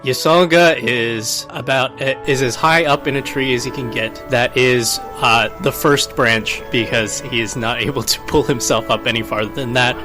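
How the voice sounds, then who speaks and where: A man playing a tabletop roleplaying game, describing his character in a measured, dryly understated way. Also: mid-range voice, fairly even intonation. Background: background music.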